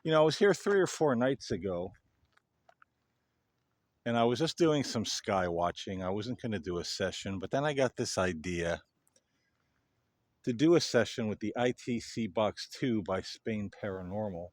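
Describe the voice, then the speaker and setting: A man with a low voice talks straight to his viewers as the host of a paranormal video. His delivery is casual and earnest, coming in halting phrases that sometimes trail off. The sound is dry, with very little room around the voice. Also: lively intonation, no echo. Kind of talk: casual explanatory monologue to viewers.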